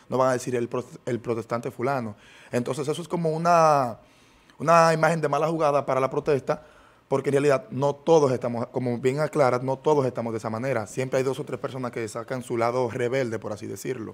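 Keeping his intonation fairly even, a man speaks at a very fast pace. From Dominican Republic, San Francisco de Macorís area. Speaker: youth protest activist. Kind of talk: interview. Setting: studio. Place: studio. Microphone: studio mic.

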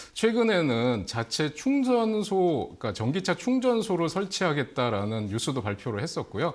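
Pitched high, this man's voice moves through very wide pitch swings. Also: moderate pace, hardly any pauses. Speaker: stock market analyst. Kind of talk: market commentary. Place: studio. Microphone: lapel.

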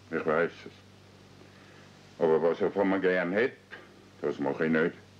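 Using a put-on character voice, a man sounds angry and gruff, with a very deep, low pitch and a fairly slow pace. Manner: stubborn, gruff, angry.

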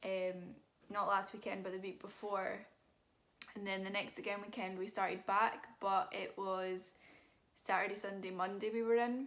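The voice, in a Scottish accent, stays monotone with flat intonation. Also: woman, medium pitch for a woman, moderate pace. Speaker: youtuber. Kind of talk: casual vlog.

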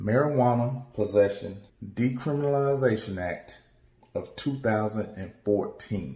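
With an American accent, a man speaks at a very slow pace, with a dark, mellow tone and ordinary pitch variation. His voice is somewhat breathy, and audible room echo surrounds it. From Missouri. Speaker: legal commentary youtuber; legal commentary vlogger. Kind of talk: monologue. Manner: casual, conversational. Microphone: phone near.

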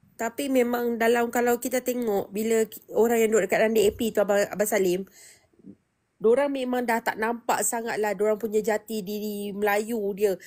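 Against a quiet background, a woman talks at a moderate pace. Her pitch is fairly high and her intonation monotone and flat. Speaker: caller. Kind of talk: casual chat; casual political talk with guest. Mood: indignant, conversational. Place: home room. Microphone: phone near.

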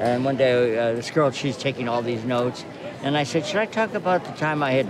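A man talks at a fairly quick pace with ordinary pitch variation. The sound is dry with no echo, and there is noticeable background noise. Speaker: interviewee. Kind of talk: interview answer. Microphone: lapel.

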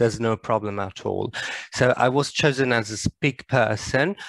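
A man with a plain, everyday voice talks at a fairly slow pace with ordinary pitch variation, dry with no echo against a quiet background. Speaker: student. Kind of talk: group presentation in a seminar. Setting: video call. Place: home room. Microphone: headset.

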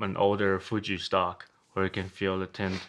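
In a quiet background, a man speaks at a fairly slow pace with a bright, sharp tone. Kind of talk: interview answer. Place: home room.

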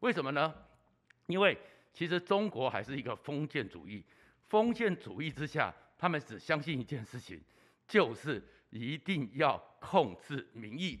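Against a quiet background, a man with a fairly high voice and vocal fry talks at a fairly slow pace, with long, frequent pauses, very wide pitch swings and big swings in loudness. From Taiwan. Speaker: political commentator. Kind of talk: solo political commentary. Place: studio. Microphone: studio mic.

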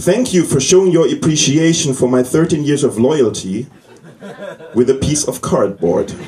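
A man speaks with a strong German accent, his pitch fairly high and his intonation lively. The pace is moderate, with light background noise behind him. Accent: thick German. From Germany. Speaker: stand-up comedian. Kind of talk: live stand-up comedy set. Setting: live comedy club with audience. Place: stage. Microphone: handheld.

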